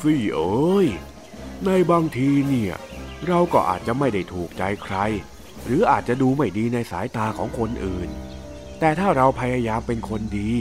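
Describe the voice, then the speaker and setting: A man voicing a gentle, wise father hippo softly comforting his daughter. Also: medium pitch, sing-song, normal speed, lightly acted. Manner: soft, comforting. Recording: music underneath.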